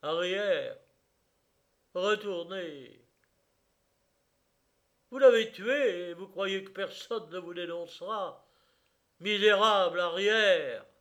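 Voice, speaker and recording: A man voicing a desperate, wild-eyed old man with white hair who shouts accusations. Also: sits high, slow pace, pauses often, pitched above the performer's own voice, exaggerated voice. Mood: frantic shouting. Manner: shouting imperiously.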